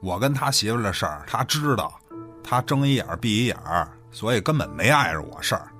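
Man acting brazen village boss, lively and crude. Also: fairly low pitch, fairly quick, faint music behind. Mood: brazen, dismissive. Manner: crude, swearing, sardonic, self-justifying. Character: brazen, cynical male village boss, scornful and shameless. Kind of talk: Chinese radio drama acting.

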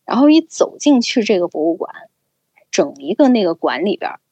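A young woman casually telling a story as a podcast co-host, with an animated, chatty manner. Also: mid-range voice, normal speed, breathy edge, no room sound. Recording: slightly dull, dry recording.

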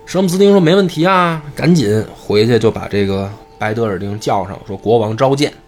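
A man's voice: medium pitch, lively intonation, a little fast, faint music behind. A man telling a folk tale in a chatty, joking comic storytelling style.

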